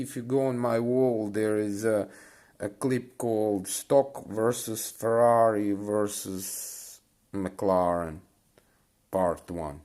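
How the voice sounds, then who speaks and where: A man's voice: lowish voice, a little mellow. A man giving casual, rambling commentary while playing a racing game, full of fillers and restarts. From Bosnia and Herzegovina. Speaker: mobile racing game streamer.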